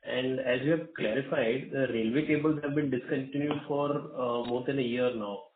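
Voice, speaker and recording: A man's voice: medium pitch, fairly even intonation, normal speed, a little hiss or hum. A man asking polite, hesitant questions over the phone on a business call, with many fillers and a deferential "sir". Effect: over the phone, on a phone line. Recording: echoey tinny phone line.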